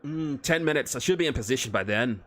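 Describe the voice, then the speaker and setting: A man voicing a gruff, bickering male dwarf with a rough, whiskey-soaked Irish-Scottish brogue. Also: mid-range voice, lively intonation, fast, fairly bright tone, voice pushed up. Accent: Irish-Scottish put-on brogue. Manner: boisterous, bickering.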